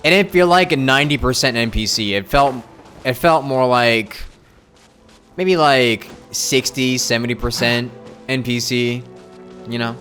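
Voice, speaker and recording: A man's voice: medium pitch, unhurried, fairly bright tone. A man livestreaming a game, talking casually and thinking aloud, often repeating his phrases as he rambles. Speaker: live game streamer. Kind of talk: casual livestream chat while playing a game. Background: game music.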